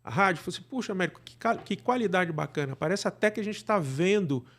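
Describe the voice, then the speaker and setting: A man with a Brazilian accent answering interview questions conversationally, explaining in a halting way and often checking with the listener. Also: high-pitched, lively intonation, fairly bright tone. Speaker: podcast guest, radio drama producer.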